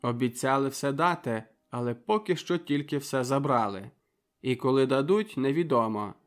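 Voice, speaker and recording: A man's voice: mid-range voice, normal speed, lightly acted. A man reading a young villager's fiery, declamatory speech to a crowd in an audiobook. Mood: rousing. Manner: rousing, declamatory.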